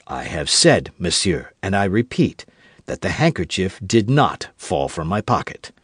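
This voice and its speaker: A man voicing a suave, cool-headed young musketeer with a churchman's calm, talking low and measured with a dry, mocking edge. His phrasing still rises and falls widely, read on a dry, close mic. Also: breathy edge, no echo, full character voice. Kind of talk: audiobook character voice.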